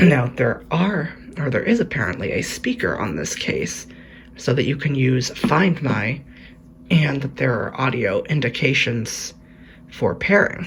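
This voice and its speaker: A man talks fairly slowly with very wide pitch swings as noticeable background noise plays around him. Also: fairly high pitch for a man. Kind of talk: casual unboxing talk to camera.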